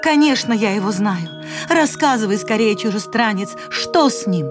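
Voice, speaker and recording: A woman voicing a faithful, grey-haired old woman in a radio fairy tale, speaking slowly in a raised, pleading voice. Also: lively intonation, over music, lightly acted. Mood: yearning. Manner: slow, pleading, raised pitch.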